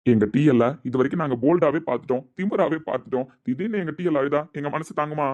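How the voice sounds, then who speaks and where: A man's voice: on the high side, fast, darkish tone, lo-fi sound. A man speaking dramatic dialogue in an earnest, tender way. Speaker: actor in a family drama.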